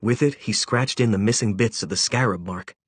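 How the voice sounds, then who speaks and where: Husky low-voiced male storyteller. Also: brisk, no echo. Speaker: audiobook narrator. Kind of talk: scripted storybook narration.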